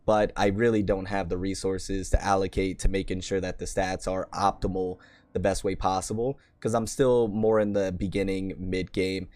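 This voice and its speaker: A man with a worn-out, hoarse voice, hosting a casual gaming channel and chatting through a character guide in a rambling, self-deprecating way. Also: low voice, little pitch movement, moderate pace, a little mellow. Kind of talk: casual game guide commentary.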